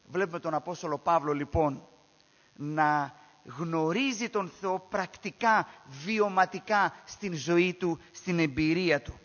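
A man's voice: a little high, fairly bright tone, big-room sound, dull audio. A man preaching a sermon in an emphatic way, repeating key phrases and asking rhetorical questions.

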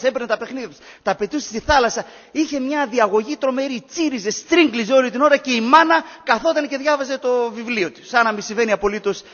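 A male preacher with a high, husky voice gives a sermon and moves between emphatic lines and hushed asides. He sounds dull and lo-fi, with a long reverb from a large hall. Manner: storytelling, rising emphatic then dropping to hushed.

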